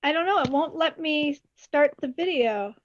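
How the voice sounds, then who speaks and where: A woman's voice: high-pitched, animated, normal speed. A woman from Canada with a Canadian accent, chatting casually as a guest on a video call. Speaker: guest joining a livestream. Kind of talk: casual chat. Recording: muffled, lo-fi call audio.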